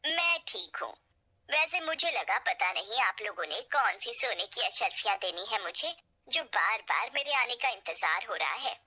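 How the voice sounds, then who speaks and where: A woman's voice: medium pitch, lively intonation, moderate pace, pushed and bright, slightly rough, heavily acted. A woman voicing a harsh, sneering middle-aged mother-in-law in a spoken storybook tale. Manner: sneering, contemptuous.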